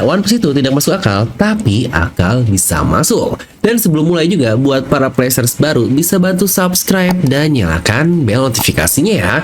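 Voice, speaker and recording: A man's voice: on the high side, a little hiss or hum. A man giving a casual, chatty explainer commentary as a video host, addressing viewers directly and drawing out the ends of phrases.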